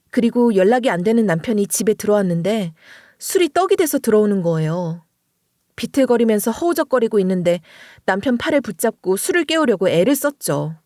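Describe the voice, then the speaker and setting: A woman narrating a first-person story in an expressive, emotional way, close to the microphone. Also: a little high, no echo.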